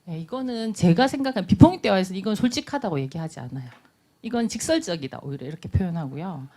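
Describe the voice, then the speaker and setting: Brief: middle-aged woman instructor, animated pitch, acts out little dialogues mid-lecture. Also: quick pace. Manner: lively, acts out everyday dialogues in little voices. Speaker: nonviolent communication instructor. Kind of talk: lecture to a class. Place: lecture room.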